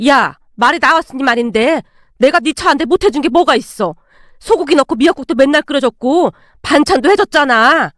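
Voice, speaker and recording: A woman's voice: high voice, animated, a little fast, a bit bright, no room sound, studio quality. A woman voicing an angry, hypocritical older mother-in-law who scolds shrilly. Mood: indignant.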